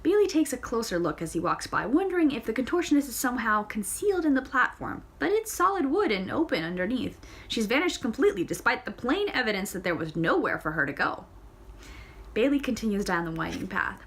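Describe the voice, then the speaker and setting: Reading a novel aloud casually, this audiobook reader often trips over words and corrects herself, tossing in playful asides of her own. Her voice is a little high and fairly bright, with big pitch swings and a brisk pace.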